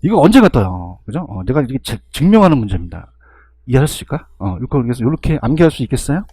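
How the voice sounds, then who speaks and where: Husky, animated male exam lecturer. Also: medium pitch, quick pace, dry recording. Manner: constant rhetorical questions and check-ins to students.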